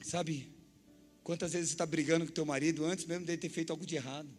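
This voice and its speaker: A male pastor with a Brazilian accent preaching a sermon, animated and acting out little dialogues with the congregation. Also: a little high, fast talker. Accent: Brazilian Portuguese. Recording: echoey church hall with faint music.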